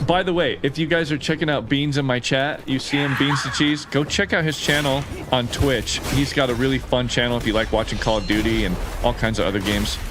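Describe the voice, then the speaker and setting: A man doing casual live-stream commentary on game footage, reacting excitedly with bro-ish slang and swearing, like a frat bro. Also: medium pitch, fairly quick, few pauses, background noise. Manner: animated reactions with frequent laughing and swearing.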